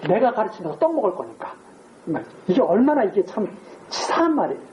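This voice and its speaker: A woman's voice: mid-range voice, very animated, a little fast, reverberant, muffled recording, slight background noise. A woman preaching a sermon in a conversational way, asking her listeners rhetorical questions and acting out quoted speech. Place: church sanctuary.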